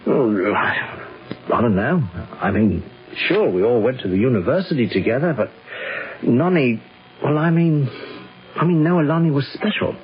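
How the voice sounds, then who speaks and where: A man acting a breezy working bloke in a vintage radio play. His comes with colloquial, animated phrasing that turns hesitant and wary. The old broadcast sounds slightly dull. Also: mid-range voice, normal speed, pauses often, natural voice. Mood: awkward, sympathetic. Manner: colloquial, hesitant when uneasy. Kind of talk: 1970s radio drama acting.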